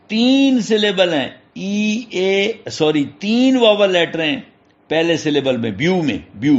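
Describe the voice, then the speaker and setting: A man teaching a class, spelling words out slowly letter by letter and checking in with short questions. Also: fairly high pitch, highs cut off. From Pakistan. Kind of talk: classroom lesson explaining English syllables.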